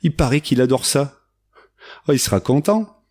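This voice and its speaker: A man's voice: medium pitch, animated, moderate pace, darkish tone, husky. A man voicing a kind, simple male gardener in a spoken fairy tale, cheerful and good-natured.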